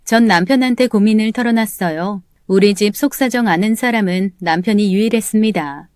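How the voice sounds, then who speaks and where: A woman in her thirties narrates her own story in the first person, with a bitter, indignant edge. Her pitch is ordinary for a woman. The recording is close and dry, with no room sound. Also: brisk, darkish tone, smooth, no echo.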